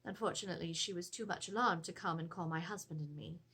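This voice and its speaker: A woman's voice: on the low side, fast, breathy edge, full character voice. A woman playing an anxious, genteel Edwardian wife in a theatrical, formal reading of a letter about a haunting. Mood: earnest, urgent. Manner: theatrical, expressive, formal storytelling. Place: indoors, seated before a draped backdrop.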